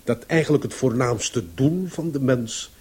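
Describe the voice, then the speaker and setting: Husky, pompous lecturing uncle. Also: male voice, medium pitch, measured pace, darkish tone. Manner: pompous lecturing with dramatic emphasis. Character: pedantic uncle expounding his theory, self-important, patronizing. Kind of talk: comic radio play acting.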